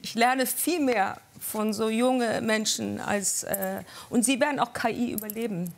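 A woman's voice: a little high, unhurried, creaky. A woman from the Basque Country, whose first language was Basque, talking casually as a guest on a TV talk show and searching for words as she goes. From Spain, Basque Country. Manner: thoughtful, searching for words with many fillers. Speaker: panel guest, musician.

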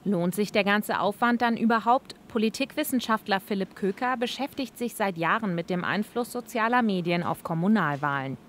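A woman narrating a scripted regional news report in an even, measured way. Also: medium pitch, slight background noise.

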